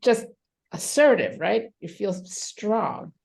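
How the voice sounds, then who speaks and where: A woman from Romania, a psychotherapist answering interview questions thoughtfully over a video call, with many pauses and fillers. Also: medium pitch, very animated, gravelly, a little mellow. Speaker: psychotherapist guest.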